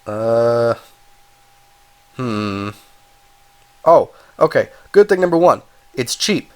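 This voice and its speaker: Slowing way down, the congested channel host speaks at medium pitch with lively intonation. He rambles through the video game review, correcting himself and tossing in apologetic asides.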